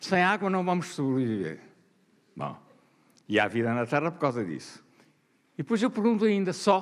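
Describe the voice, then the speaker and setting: At a moderate pace, the voice swings very widely in pitch and stops often for long pauses. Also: man, high pitch for a man. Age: 80s+. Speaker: botany professor. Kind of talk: lecture.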